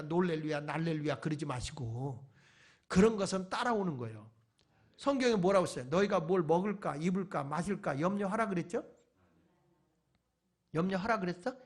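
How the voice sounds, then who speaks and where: A male pastor preaching at a church revival meeting, firing rhetorical questions at the congregation and mixing in folksy humor. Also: high-pitched. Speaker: pastor, guest revival speaker. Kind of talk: sermon.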